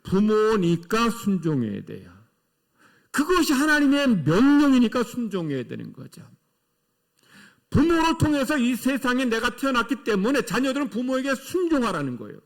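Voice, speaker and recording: A man's voice: very high voice, wildly swooping pitch, moderate pace, creaky. A middle-aged male pastor preaching a sermon in church, emphatic, with rhetorical questions to the congregation. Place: church sanctuary.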